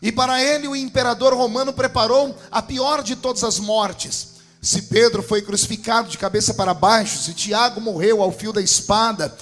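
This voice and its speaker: A pastor preaching a dramatic sermon in Brazilian Portuguese, telling a story that swells into shouting. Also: male voice, high-pitched, fairly even intonation, moderate pace, soft background music.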